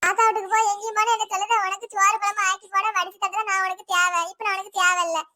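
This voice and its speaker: A woman voicing an irritable, sick village wife in a cartoon, with a Tirunelveli Tamil accent and a complaining, sharp-tongued manner. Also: level tone, very fast, no room sound, studio quality. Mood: aggrieved. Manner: scolding, complaining, shrill. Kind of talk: cartoon voice acting.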